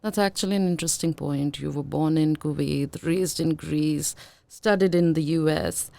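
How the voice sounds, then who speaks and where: A woman host with a very low voice and plenty of vocal fry asks the questions. Her voice is recorded dry and close, and she listens attentively and prompts with short questions. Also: moderate pace, mellow, no echo. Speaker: podcast host interviewer. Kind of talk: podcast interview.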